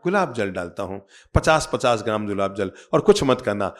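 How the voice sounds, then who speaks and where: A man's voice: on the low side, very animated, moderate pace. A man who is a monk, giving a sermon in a meditation hall. He tells a story to the audience, acts out the voices of the people in it, and calls on the listeners to join in. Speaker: monk giving a spiritual discourse.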